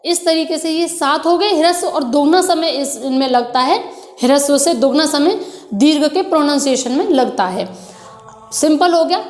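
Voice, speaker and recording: A high-pitched woman's voice echoes as she, a teacher, patiently walks her students through Hindi grammar for an exam. She calls them children and slips English words into her exam-prep lesson.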